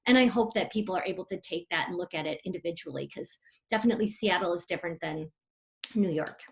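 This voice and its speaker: A woman's voice: fairly low pitch, quick pace, gravelly. A woman business executive answering interview questions over a remote call from home, friendly and upbeat with some fillers.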